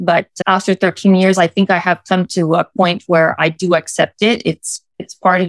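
In a normal speaking voice, a woman talks at a fairly slow pace and medium pitch. The recording is very clean, dry and close, with a silent background and no echo. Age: 40s. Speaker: former school teacher. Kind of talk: casual chat.

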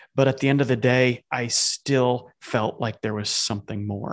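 A man with a plain, everyday voice, medium pitch, fairly even intonation and a moderate pace, recorded dry and close with no echo against a quiet background. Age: 40s. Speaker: podcast host. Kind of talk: casual chat.

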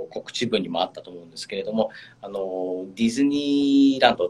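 A man's intonation is lively. He speaks at a fairly quick pace. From Japan, Kanagawa (some childhood years in UK). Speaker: nonprofit director, educator. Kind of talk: interview. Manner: hesitant with many fillers.

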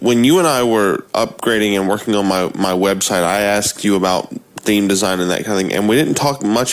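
A man with an ordinary speaking voice speaks in a fairly low pitch with ordinary pitch variation. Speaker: website owner, podcaster. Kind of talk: call-in question.

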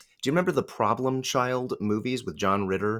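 With an American accent and an unremarkable speaking voice, a man talks at a fairly quick pace with ordinary pitch variation in a very clean recording with a silent background. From Los Angeles, US. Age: 40s. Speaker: voice actor. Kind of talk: casual chat. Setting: at home.

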